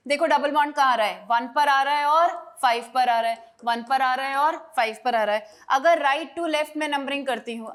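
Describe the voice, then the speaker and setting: A woman's voice: high-pitched, fairly bright tone. A woman teaching chemistry in an online lesson, repeating each step and asking and answering her own questions.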